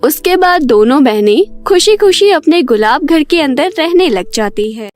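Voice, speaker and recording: A woman narrates a scripted fairy tale for children. Soft music plays behind her storytelling. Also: high-pitched, animated, measured pace.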